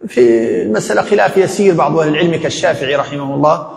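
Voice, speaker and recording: Quick-talking male religious teacher. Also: fairly high pitch, vocal fry, in a large hall, crowd noise. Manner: quick, explanatory, often quoting scholars. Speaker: Islamic law teacher. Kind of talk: explaining a text in a lesson.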